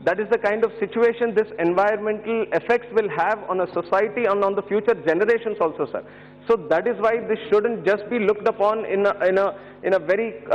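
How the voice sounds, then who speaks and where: An Indian English-accented man in his thirties makes a pleading case before parliament, his voice sitting high for a man. He hesitates often and keeps calling the chair "sir". The sound carries a long chamber reverb and dull broadcast audio. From Andhra Pradesh, India. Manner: earnest and pleading, many hesitations and "sir" addresses, gesturing. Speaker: member of parliament. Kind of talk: parliamentary speech. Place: large parliament chamber, indoors. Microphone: fixed desk microphone.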